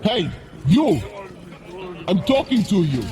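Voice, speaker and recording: A man playing a gruff, suspicious giant palace guard who shouts challenges in an audio drama. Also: high-pitched, sing-song, slow pace, full character voice. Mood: angry, challenging.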